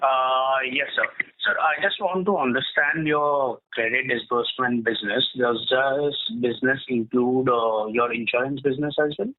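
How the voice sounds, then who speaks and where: Tinny phone audio frames a man of medium pitch. He is a caller asking management questions, deferential and halting as he forms each one. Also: steady tone. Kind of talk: conference call question-asking. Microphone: phone call. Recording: narrow tinny phone line.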